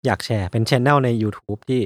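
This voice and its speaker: A man with an ordinary mid-range voice chats casually on a podcast. He tells his anecdotes in a relaxed, joking way. The recording is dry and close. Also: mid-range voice, moderate pace, husky, no echo. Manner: relaxed, jokey, teasing. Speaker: podcast co-host. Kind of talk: casual chat.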